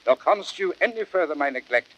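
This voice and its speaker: A man playing a thoughtful, troubled Roman statesman in vintage radio Shakespeare, speaking gravely and formally with a husky voice. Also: on the high side, animated, a little fast, a bit bright. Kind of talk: 1930s radio Shakespeare acting. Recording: dull, band-limited vintage radio recording.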